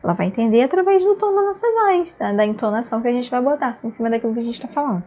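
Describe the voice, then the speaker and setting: A woman with a Brazilian Portuguese accent gives an online lecture, chatting with her listeners and often checking that they follow. Her voice sits a bit high. The recording is dull and lo-fi. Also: animated, very fast. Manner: conversational, keeps asking "né?". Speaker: instructor.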